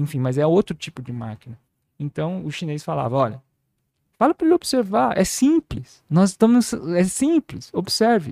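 A man speaks at a moderate pace and high pitch, his dark, mellow tone marked by very wide pitch swings and big swings in loudness. The recording is very clean with a silent background and a dry, close sound with no echo. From born in Taiwan, raised in Brazil from age five. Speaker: Mandarin teacher and Chinese philosophy scholar. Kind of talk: interview conversation.

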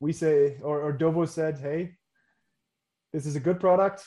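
A man's fairly high voice with a dark, mellow tone, a German accent and fairly even intonation. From Germany. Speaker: company CEO. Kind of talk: interview chat.

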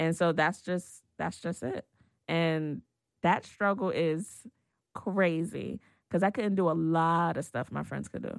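A woman's ordinary speaking voice at a fairly slow pace, ordinary pitch variation, dry, close sound with no echo, and a quiet background. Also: fairly low pitch for a woman. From US, child of Ghanaian and Nigerian immigrants. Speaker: event planner and fashion and mommy blogger. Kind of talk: casual chat.

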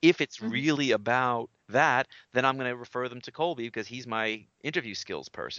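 A man with a New York accent speaks at a medium pitch and a fairly quick pace. His intonation is fairly even, but his loudness swings widely. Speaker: public speaking coach and improv trainer. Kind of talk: interview. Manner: fast talker.

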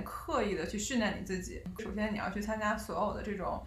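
A woman's medium-pitched voice at a fairly quick pace, with audible room echo and noticeable background noise. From China. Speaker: podcast co-host, senior corporate manager. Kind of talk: casual chat.

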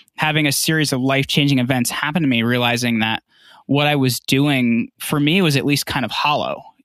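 A man with a plain, everyday voice speaks fairly high and fairly quickly, with ordinary pitch variation. The recording is very clean and dry, close with no echo, with a silent background. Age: 30s. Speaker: podcast host and entrepreneur. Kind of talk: casual interview chat.

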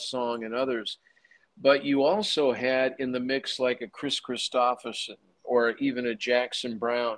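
A man with an American accent and an unremarkable speaking voice talks at a moderate pace, at medium pitch, with fairly even intonation. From US Midwest (Chicago). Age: 60s. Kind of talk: interview. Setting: remote call.

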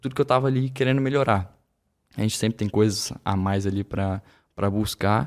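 A man's normal speaking voice, fairly low in pitch, with ordinary pitch variation at a moderate pace. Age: 20s. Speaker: triathlete and routine coach. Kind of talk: casual chat.

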